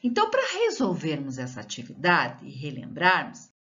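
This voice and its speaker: Woman teacher from Brazil, low-ish voice, very animated pitch, patient questions to young pupils. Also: lo-fi sound. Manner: slow, drawn-out teacher talk with rising questions to the pupil. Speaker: schoolteacher. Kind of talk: recorded lesson for children.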